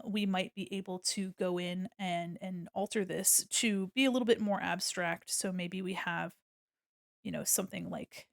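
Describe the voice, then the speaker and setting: A woman's voice: mid-range voice, no room sound, studio quality. A sniffly woman streamer giving a casual art critique, chatty and full of ums as she talks while drawing. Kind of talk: casual art tutorial walkthrough.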